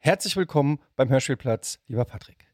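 A middle-aged man hosting a casual interview podcast, joking and phrasing things haltingly. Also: mid-range voice, lively intonation, darkish tone, dry recording, studio quality. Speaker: podcast host. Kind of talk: casual chat, interviewing a guest.

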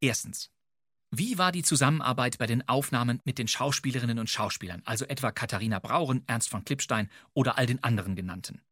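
A man's voice: medium pitch, fast talker, a bit bright, husky, no echo. A man narrating a podcast segment from a script, wry and playful, addressing the listener directly. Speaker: podcast co-host.

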